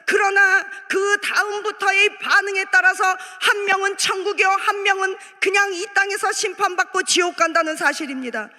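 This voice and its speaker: A middle-aged woman preaching a fervent revival sermon in a large prayer hall, moving between chatty asides and loud cries. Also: very high-pitched, fairly even intonation, moderate pace, hardly any pauses. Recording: long hall reverb.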